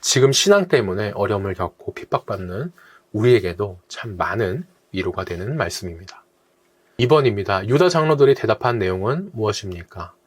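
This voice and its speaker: A man's voice: fairly low pitch, expressive, fairly quick. A man, a pastor, leading a Bible meditation, rising on the openings of phrases, falling at the ends, and acting out quoted challenges in a brusque voice.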